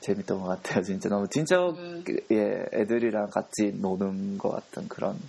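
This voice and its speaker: With a Japanese accent, a man talks at a moderate pace and hardly pauses at all. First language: Japanese (speaking Korean). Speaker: teacher at a school in China. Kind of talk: casual chat. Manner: animated.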